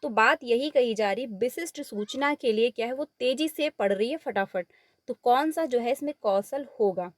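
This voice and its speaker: A woman's voice: on the high side, normal speed, dry recording, studio quality. A woman teacher, walking through exam questions step by step, mixing English words into her Hindi and repeating the answers. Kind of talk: exam paper walkthrough lesson.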